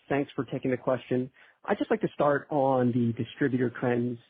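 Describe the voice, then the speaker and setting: A man's voice: mid-range voice, husky. A man asking a semi-formal question as a financial analyst on a conference call. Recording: muffled, narrow phone line.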